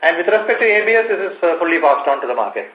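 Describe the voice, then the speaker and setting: An Indian-accented man gives an executive's answers on an earnings call. His voice sits a little high and his phrasing is hesitant, with repeated words. The call sounds roomy and echoing. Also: sing-song, very fast, narrow, tinny audio.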